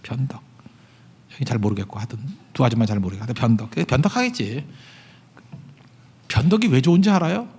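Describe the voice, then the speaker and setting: A middle-aged man preaching a sermon in a chatty, conversational way, with many rhetorical questions and sudden loud, emphatic peaks. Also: medium pitch, lively intonation, quick pace, long pauses, breathy edge. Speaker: pastor.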